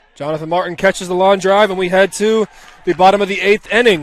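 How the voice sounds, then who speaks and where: A man talks in a high voice, the sound dry and close with no echo. Crowd noise can be heard in the background. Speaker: play-by-play radio announcer. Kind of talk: live sports commentary. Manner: animated, excited; monotone for PA announcements.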